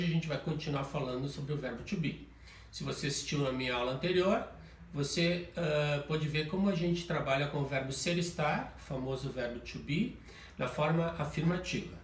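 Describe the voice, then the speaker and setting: Man, language teacher, high voice, patient step-by-step explanation, roomy echo. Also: far from the mic, a little hiss or hum. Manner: slow, deliberate model sentences between explanations. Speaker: English teacher. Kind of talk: video lesson explaining grammar.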